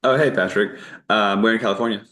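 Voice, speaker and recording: A man's voice: lowish voice, steady tone, fast talker, fairly bright tone. A man from Virginia with an American accent, chatting informally as an interview guest, meandering with false starts. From Virginia, United States. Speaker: interview guest, documentary filmmaker. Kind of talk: casual chat.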